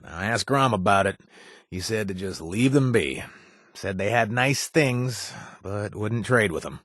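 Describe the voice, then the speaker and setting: An actor playing a wry, chatty wasteland informant in a video game, husky, with a hesitant, rambling delivery and joking asides. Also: male voice, medium pitch, fairly bright tone, no room sound, clean studio sound, full character voice. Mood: casually warning. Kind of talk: video game voice acting, casual spoken tips.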